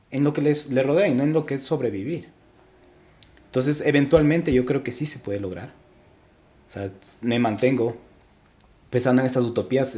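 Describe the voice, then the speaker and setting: A man's voice: medium pitch, dark tone. A young man from Ecuador, a podcast guest, talking reflectively in casual interview chat with frequent restarts.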